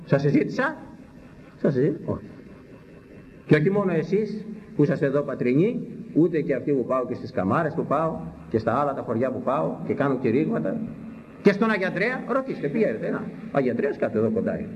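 An older man preaching a sermon, impassioned, often rising to loud rhetorical cries, recorded in a church hall. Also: fairly high pitch, big pitch swings. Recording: muffled distant recording with faint ambience.

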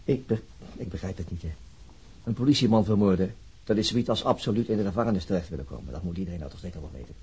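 Radio crime drama: terse male detective inspector, very husky mellow voice, sceptical and matter-of-fact. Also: low-pitched, lively intonation, fast, heavily acted, low-quality recording. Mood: insistent.

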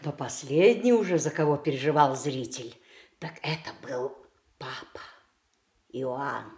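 An actress playing a reflective, wry mature woman in a Russian radio play, musing aloud with dramatic pauses. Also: medium pitch. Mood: grave irony. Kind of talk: Russian radio theatre monologue.

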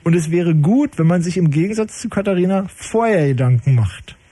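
A man's voice: sits high, expressive, fairly quick, dark tone. A man hosting a late-night call-in radio show from the studio, chatting with callers in a dry, ironic, teasing way.

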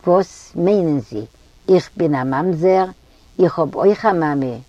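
A woman's voice: low-pitched, dry recording. A woman doing a brash young thief dictating boastfully. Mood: angry. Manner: blustering, dictating slowly and loudly. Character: brash young male thief, proud and hot-tempered. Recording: dull lo-fi audio.

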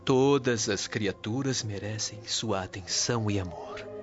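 A Brazilian man playing a gentle, devout early Christian preacher in a radio drama, with a reverent, oratorical, unhurried delivery. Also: lowish voice, close to an everyday voice. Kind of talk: dramatic radio soap acting. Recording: dull lo-fi radio drama recording. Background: loud dramatic music.

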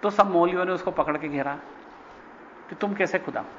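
A man giving a spiritual lecture, telling stories and acting out the quoted speech with sudden pitch jumps. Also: fairly quick, a bit bright. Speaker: spiritual teacher. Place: ashram hall. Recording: dull lo-fi recording with long reverb and faint noise.

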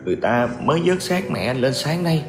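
A man's voice: mid-range voice, big pitch swings, fairly quick, voice pushed up. A man voicing a grieving adult son who speaks tearfully and urgently. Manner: tearful, pleading. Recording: echoey room with music behind.

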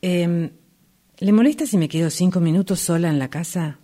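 A woman playing an eager, impulsive house-hunter in an amateur radio play, speaking in a hesitant, halting way. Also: on the low side, mellow, close to an everyday voice.

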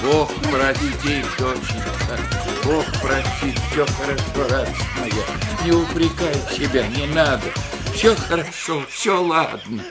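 An actor playing a gentle, resigned old father in a radio play, with a soft, consoling way of talking. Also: mid-range voice, takes it slowly, natural voice. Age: older. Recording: roomy, with music behind.

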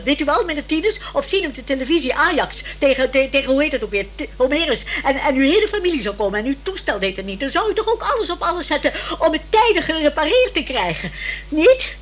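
Genteel old lady, high voice, very animated, flustered stammering, radio drama, faint background noise. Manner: flustered, stammering, chattering, insistent. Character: fussy, excitable elderly lady, genteel opera lover. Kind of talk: radio play acting. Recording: slightly noisy old radio play recording.

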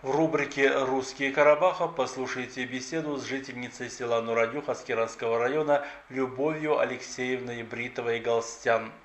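A man hosting a radio program, asking interview questions and reading the news in a measured, formal way. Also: mid-range voice, fairly even intonation. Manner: measured, formal presenter delivery. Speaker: radio host and newsreader.

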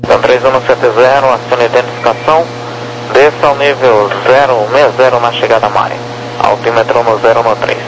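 A man's voice: medium pitch, steady tone, a little fast. A Brazilian man working as an air traffic controller, giving clipped procedural instructions over a crackly, military-sounding radio. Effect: crackly aviation radio transmission. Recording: noisy, humming air-band radio.

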